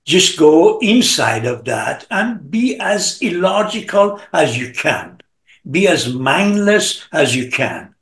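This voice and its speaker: A man's voice: on the high side, sing-song, slow, creaky, a bit bright. A man in his seventies teaching art informally and encouragingly on a video call. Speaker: art teacher hosting an online gathering. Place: living room at home, on a video call. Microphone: computer mic on a video call. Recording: roomy video-call sound.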